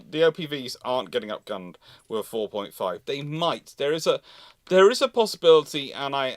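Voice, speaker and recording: A British man hosting a live question-and-answer talk, explaining things with halting restarts and emphatic repetition. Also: medium pitch, clean tone, no echo, clean studio sound. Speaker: host answering audience questions. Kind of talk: live Q&A, explanatory commentary on naval matters.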